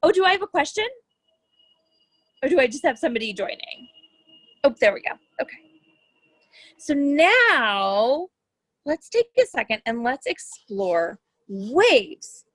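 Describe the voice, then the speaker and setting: A woman's voice: high-pitched, big pitch swings, measured pace, pauses often, no room sound. A woman science educator presenting a lesson for young children, explaining things in simple terms as she reads and demonstrates.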